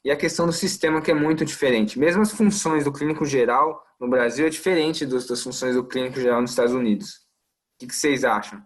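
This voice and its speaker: A man's voice: mid-range voice, brisk. A young adult man from Brazil with a Brazilian Portuguese accent, a medical resident talking in a casual podcast chat, thoughtful and full of fillers. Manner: thoughtful, many fillers and trailing asides.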